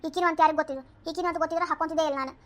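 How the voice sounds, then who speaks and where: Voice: very high-pitched, fairly even intonation, rapid-fire, a bit bright. A voice actor playing a defensive village woman from a cartoon, speaking with a North Karnataka accent and rattling off excuses. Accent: North Karnataka Kannada. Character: sharp-tongued village woman caught wearing another's sandals.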